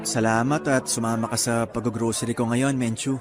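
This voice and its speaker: A man's voice: medium pitch, flat delivery, moderate pace, close to an everyday voice. Man acting as eager young dad, probing fiancé, mid-range voice, radio drama, faint music behind. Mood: joking, casual. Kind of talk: Tagalog radio drama dialogue.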